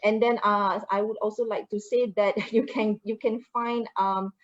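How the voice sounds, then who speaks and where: A woman's voice: mid-range voice, level tone, moderate pace, muffled recording. A Malaysian woman with a Malaysian accent, giving a chatty promotional presentation to prospective students and slipping into Malay phrases.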